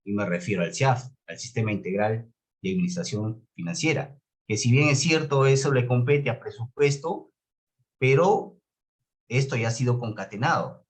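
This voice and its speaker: A man's voice: medium pitch, expressive, normal speed. A man with a Peruvian Spanish accent teaching a class in a didactic way, stressing key words and checking that students follow. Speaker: course instructor. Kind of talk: online lecture on public administration.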